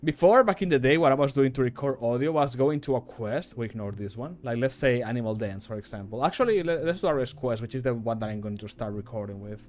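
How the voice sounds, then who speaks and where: A man's voice: medium pitch, expressive, quick pace, hardly any pauses. A man in his thirties chatting casually on a livestream in a rambling, self-deprecating way. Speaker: streamer and game modder. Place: small home room, indoors.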